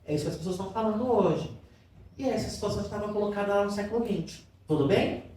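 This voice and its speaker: A man's voice: high-pitched, fast, dark tone. A man teaching a literature class who keeps checking in with his students and asking them questions, affectionate with the class. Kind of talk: classroom lecture. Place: classroom in a cultural center. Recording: very echoey room, voice from far off, faint noise.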